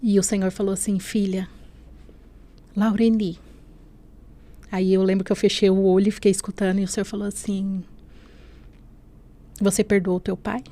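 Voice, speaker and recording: On a podcast, a Brazilian woman gives her faith testimony in a warm, medium-pitched voice with a level tone, speaking at a normal pace with long pauses. Earnest and emotional, she often adds "né?" and "assim."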